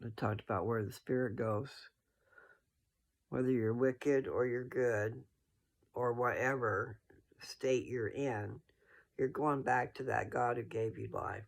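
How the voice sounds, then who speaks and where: A man's voice: medium pitch, steady tone, slow pace, creaky. A sleepy man casually talking through scripture for his followers in a folksy, rambling way, often correcting himself. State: sleepy, yawning. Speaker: host reading and discussing scripture.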